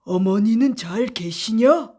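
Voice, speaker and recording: A woman voicing a big, tender-hearted male tiger in a children's folktale, speaking slowly and solemnly. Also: fairly high pitch, expressive, darkish tone. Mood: moved, wistful. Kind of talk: children's folktale audiobook acting.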